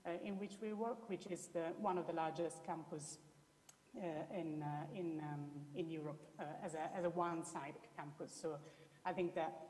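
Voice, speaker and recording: Low-pitched Italian-accented woman in echoey hall. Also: fairly even intonation, moderate pace, darkish tone. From Italy. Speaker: academic researcher, presenter. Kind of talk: spoken presentation with slides. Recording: echoey hall with long reverb.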